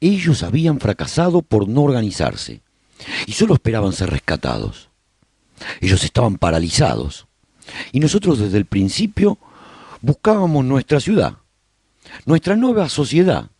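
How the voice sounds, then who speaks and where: A man narrating a radio drama as an earnest, resolute survivor chronicling his colony in a solemn, deliberate way. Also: medium pitch, wildly swooping pitch, darkish tone, slightly rough, no echo, heavily acted.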